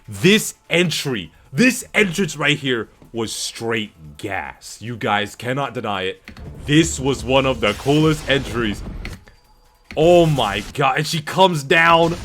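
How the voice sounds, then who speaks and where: A man streaming casual reaction commentary to viewers, animated and slangy, swearing freely. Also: mid-range voice, slow pace. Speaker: streamer reacting to game cutscenes.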